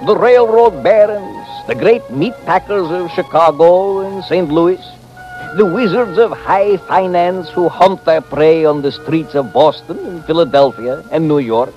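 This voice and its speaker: An actor playing a genial, boastful gypsy peddler who spins tales grandly in an old radio western. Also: male voice, fairly high pitch, unhurried, natural voice. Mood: genial boasting. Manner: grandiose, chuckling, theatrical. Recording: dull vintage radio recording, music behind.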